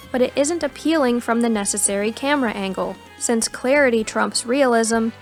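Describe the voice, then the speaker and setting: A woman with a fairly high voice reads a scripted tutorial. She explains things in a clear, instructional way, with music playing behind her. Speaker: tutorial narrator. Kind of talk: scripted educational narration.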